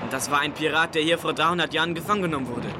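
A friendly young fisher boy played by a male actor speaks in a high, bright, clear voice. He sounds like a treasure seeker in an old radio play, with loud outdoor noise all around him. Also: very fast, lightly acted. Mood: storytelling, mysterious. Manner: friendly, with a slight smile. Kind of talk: German children's radio play acting.

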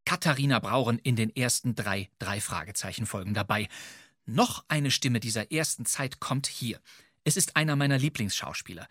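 Husky man narrating in a dry room. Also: mid-range voice, fairly bright tone, no room sound. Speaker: podcast co-host. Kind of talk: scripted, playful narration.

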